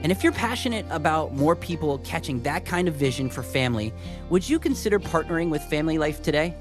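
A show announcer reading a scripted segment and donation appeal in a smooth, polished way. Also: mid-range voice. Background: guitar music bed.

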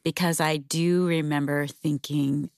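A woman's voice: sits low, fairly even intonation, measured pace, vocal fry, a little mellow, no echo, clean studio sound. A middle-aged woman co-hosting a podcast, chatting earnestly and emotionally with her husband and laughing easily. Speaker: podcast co-host. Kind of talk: casual chat with her husband.

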